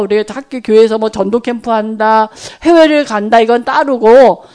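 High-pitched woman doing a chatty church talk, lots of little tag questions. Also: a little mellow, clear, resonant tone. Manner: conversational, keeps asking listeners for agreement. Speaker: church speaker on evangelism. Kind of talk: informal sermon talk.

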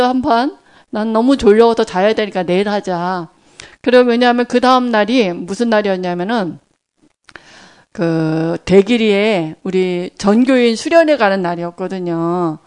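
A middle-aged woman giving an animated church testimony, acting out quoted dialogue as she goes. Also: mid-range voice, clear, resonant tone. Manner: animated storytelling, acts out quoted dialogue, laughs. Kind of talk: sermon testimony storytelling.

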